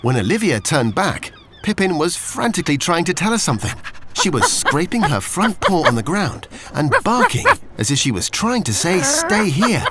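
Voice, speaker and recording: A man's voice: fairly high pitch, sing-song, moderate pace, heavy background noise. A man with a British accent reading a scripted children's story, expressively, as a storyteller to young children.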